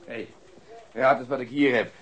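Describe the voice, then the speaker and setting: A man's voice: mid-range voice, fairly even intonation, normal speed, noisy background, natural voice. An actor playing a blunt, eager policeman in a radio crime drama.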